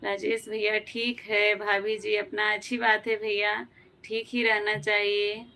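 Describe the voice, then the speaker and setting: A woman's voice: mid-range voice, level tone, unhurried, pushed and bright, poor audio. A woman from Uttar Pradesh hosting a live stream, chatting casually, greeting viewers by name and answering their comments. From Uttar Pradesh, India.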